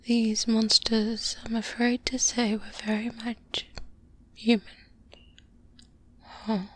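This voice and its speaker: A woman playing a seasoned, secretive vampire hunter in an ASMR roleplay, in a hushed, breathy whisper with many pauses, close to the microphone. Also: fairly high pitch, level tone. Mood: grim, confiding. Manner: slow, hushed, confiding, pausing often. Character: seasoned female vampire hunter mentor, secretive, wry, pragmatic. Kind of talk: soft-spoken ASMR roleplay. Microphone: close binaural microphone. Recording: close-up binaural mic, light background noise.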